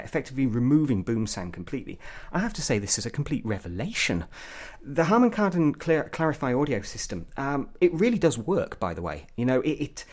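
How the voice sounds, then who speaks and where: A man's voice: medium pitch, a little mellow. A man giving an opinionated gadget review as a tech reviewer, putting emphatic stress on key words.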